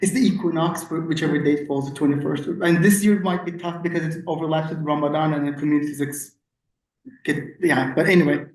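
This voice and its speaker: A woman's voice: low voice, steady tone, brisk, darkish tone. A woman from Turkey, a native Turkish speaker, chatting casually at a community meeting with laughing asides and frequent fillers. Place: council meeting room. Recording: echoey meeting room from far off.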